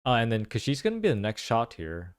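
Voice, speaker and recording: A man giving casual reaction commentary, thinking aloud in halting phrases. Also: mid-range voice, huge pitch swings, clean tone, no room sound, studio quality. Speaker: video commentator.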